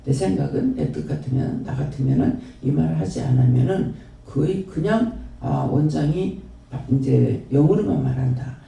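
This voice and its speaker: A man's voice: mid-range voice, big pitch swings, moderate pace, vocal fry, warm tone. A man with a Gyeongsang accent preaching a rambling, repetitive, folksy sermon and then praying, as a pastor. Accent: Gyeongsang Korean. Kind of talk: sermon and closing prayer. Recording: very echoey hall, distant mic.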